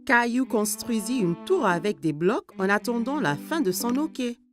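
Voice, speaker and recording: Female narrator, lively intonation, children's storytelling, clear music underneath. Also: fairly high pitch, normal speed. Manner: expressive storytelling.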